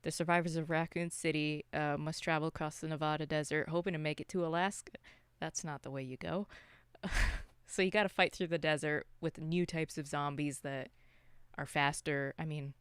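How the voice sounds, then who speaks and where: A woman's voice: low-pitched, fairly even intonation, moderate pace, clean tone, no echo. A woman co-hosting a podcast, chatting casually about movies in a wry, informal, rambling way. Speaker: podcast co-host.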